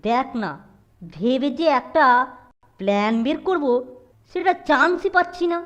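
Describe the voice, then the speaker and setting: A woman's voice: sits high, lively intonation, a little slow, highs cut off, background noise. A woman voicing a cheeky, exasperated young schoolboy in a comic cartoon, talking in slangy grumbles, with faint music behind. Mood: exasperated, grumbling. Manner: slangy, grumbling, mock-polite.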